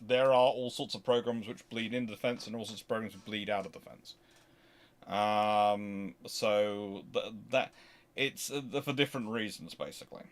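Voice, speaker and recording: A man hosting an unscripted history question-and-answer stream, talking casually in a halting, digressive way and often correcting himself. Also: lowish voice, fairly even intonation. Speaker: history livestream host.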